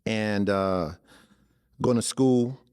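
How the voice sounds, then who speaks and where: A man in his forties from Los Angeles talks easily as a podcast guest, with a somewhat low voice. He circles back and restarts his sentences in a loose, chatty way. The sound is dry and close. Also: extremely slow, smooth, dry recording. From Los Angeles, born in El Salvador. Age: 40s. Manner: relaxed, loose, peppers talk with "man", frequent restarts. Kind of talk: casual interview talk.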